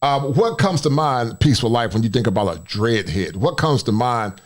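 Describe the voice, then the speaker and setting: A man's voice: medium pitch, animated, normal speed. Laid-back male podcast host. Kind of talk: casual podcast chat.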